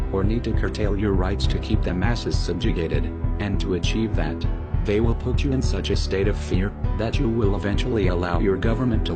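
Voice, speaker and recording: Anonymous narrator: man, voice disguised low and heavy, solemn scripted delivery. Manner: slow, grave, lecturing delivery. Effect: voice disguised to sound deep. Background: loud music.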